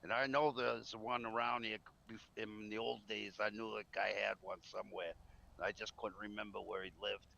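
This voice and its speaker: A man's voice: lowish voice, level tone, normal speed, creaky, sharp tone, highs cut off. A man in casual roleplay chat as a trader, talking in a folksy, chatty, friendly way. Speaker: roleplay gamer playing a trader.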